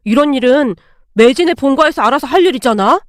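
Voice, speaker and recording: A woman's voice: sits high, animated, a little fast, no echo, clean studio sound. A woman voicing a sarcastic grown son. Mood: sneering. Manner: taunting, needling. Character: sarcastic adult son mocking his mother.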